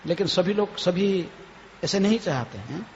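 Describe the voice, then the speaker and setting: A high-pitched man gives a devotional temple lecture and keeps tagging his phrases with a questioning "hain?". His voice carries a long hall reverb, and the recording sounds dull and lo-fi with faint noise behind it. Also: animated, creaky, a little mellow. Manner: chants scripture verses slowly. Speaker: swami giving a lecture.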